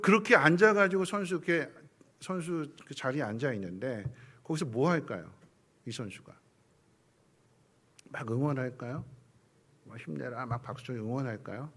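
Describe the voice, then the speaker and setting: A man's voice: mid-range voice, fairly bright tone. A man preaching a Sunday sermon as a church pastor in South Korea, acting out quoted voices and sometimes dropping to a whisper. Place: church sanctuary.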